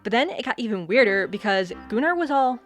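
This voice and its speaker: Breezy theatrical schoolgirl, female actor, audio comedy. High, very animated, slangy and chatty, music underneath. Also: brisk, natural voice. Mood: breezy storytelling. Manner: chatty, slangy, dramatic storytelling. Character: breezy, theatrical teenage girl student, loves acting. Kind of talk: audio drama comedy acting.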